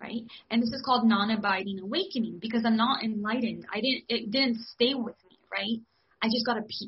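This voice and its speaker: A woman at a fairly quick pace, fairly high in pitch, with fairly even intonation and vocal fry. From Israel, then Los Angeles. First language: Hebrew. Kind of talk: casual interview conversation.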